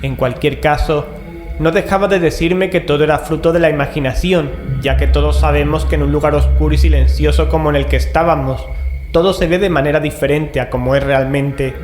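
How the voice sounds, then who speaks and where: A man's voice: fairly high pitch, fairly even intonation, brisk, a little mellow, lightly acted. A man playing a cool-headed, rational man in a dramatized horror audio story. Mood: measured, uneasy. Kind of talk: dramatized audio fiction, narration and dialogue. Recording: roomy echo, music underneath.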